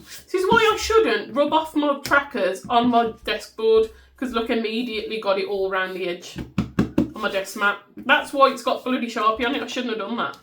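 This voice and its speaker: With slight background noise, a loud, high-leaning woman's voice comes through. She's a budgeting vlogger in her thirties from England's West Midlands with a Black Country accent, chatting casually at her home desk while counting cash out loud.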